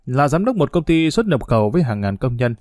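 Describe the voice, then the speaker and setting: A man narrating a news feature in a steady, grave reading voice. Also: medium pitch, fairly quick, dry recording, studio quality. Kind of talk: scripted documentary narration.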